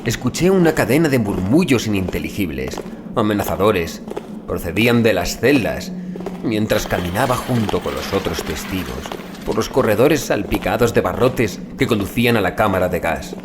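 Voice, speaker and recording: A man reading a scripted horror story as an audiobook narrator, in a grave, deliberate dramatic manner with drawn-out phrase endings. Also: on the low side, lively intonation, noisy background. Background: music bed.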